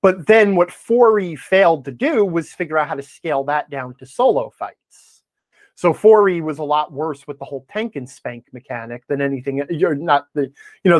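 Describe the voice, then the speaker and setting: A man's voice: fairly high pitch, dry recording. A man talking casually as an interview guest, telling anecdotes in an emphatic way and punctuating his points. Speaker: guest, tabletop gaming blogger.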